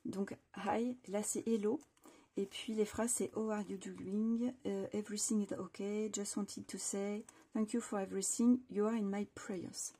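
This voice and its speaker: Lady showing off her craft haul, chatty, lots of euh's, mellow kinda husky voice. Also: mid-range voice, steady tone, unhurried. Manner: chatty, enthusiastic, frequent fillers and restarts. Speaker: craft channel host. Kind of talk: casual product haul presentation. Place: home craft room.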